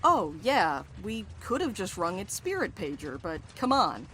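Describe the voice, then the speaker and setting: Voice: medium pitch, sing-song, a little slow, a bit bright, a little hiss or hum. A performer playing a blunt, wry and loyal tough companion in an audio drama. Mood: wry, confident.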